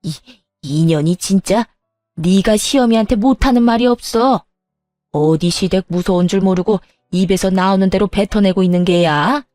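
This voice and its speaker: A woman's voice: mid-range voice, normal speed, dark tone, dry recording, clean studio sound, soft background music, close to an everyday voice. A woman voicing a harsh, domineering older mother-in-law in a dramatized story, scolding with contempt. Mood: furious.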